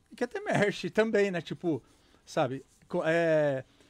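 Against a quiet background, a man talks at a fairly slow pace. His pitch swings very widely. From Brazil, ABC region of São Paulo; São Paulo, Brazil. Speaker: merchandise company founder; guest. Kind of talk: casual chat. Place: studio. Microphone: studio mic.

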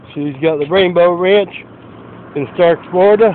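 Noticeable background noise surrounds a man speaking at a high pitch in a dry sound with no echo. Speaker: walking vlogger. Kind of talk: casual vlog chat. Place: street. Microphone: phone near.

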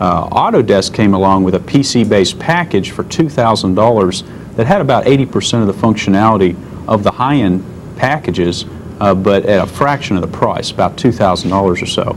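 Over light background noise, a man with a plain, everyday voice speaks at a moderate pace, his fairly low pitch showing ordinary pitch variation. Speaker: software company sales representative. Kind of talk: interview answer. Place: studio. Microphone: lapel.

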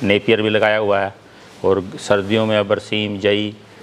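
The man's intonation is monotone and flat. He goes at a fairly slow pace. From Haryana, India. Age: 50s. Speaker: dairy farmer. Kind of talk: interview. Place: farm machine. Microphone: lapel.

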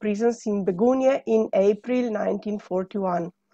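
A woman's dark, mellow tone with ordinary pitch variation and dry sound with no echo. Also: quiet background. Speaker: anthropology professor. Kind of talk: panel presentation. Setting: video call. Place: home room. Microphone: earbuds.

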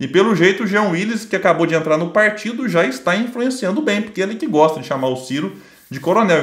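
Against a quiet background with audible room echo, a man talks at a high pitch with lively intonation. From Brazil. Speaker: political commentary youtuber. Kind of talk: political commentary monologue. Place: home room.

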